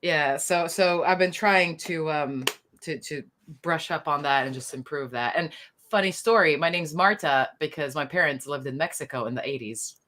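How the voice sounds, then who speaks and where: Low-voiced woman. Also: moderate pace, a bit bright, a little hiss or hum. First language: Slovenian. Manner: chatty and self-deprecating, with fillers and restarts. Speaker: voice actor on a fan Q&A panel. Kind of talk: casual panel chat.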